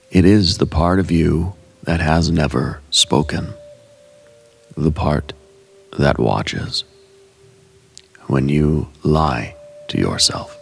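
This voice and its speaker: Very deep, gravelly, hushed male meditation narrator. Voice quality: gravelly, husky, breathy. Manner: solemn, hushed, deliberate, with short measured phrases. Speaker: host and narrator of a meditative radio show. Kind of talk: ASMR guided meditation, slow dreamlike scripted narration.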